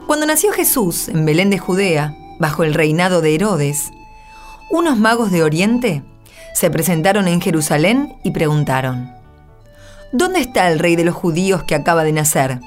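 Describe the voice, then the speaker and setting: A woman gives a solemn religious narration. Her voice sits on the low side and moves in measured, reverent phrases. Faint music runs underneath. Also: sing-song. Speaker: narrator and scripture reader. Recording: soft music behind the voice.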